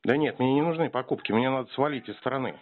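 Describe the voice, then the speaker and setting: A man's voice: medium pitch, fast. A man in a casual phone chat, talking in a rambling, slangy, provocative manner. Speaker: prank caller answering a telemarketer. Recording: noisy tinny phone line with clicks.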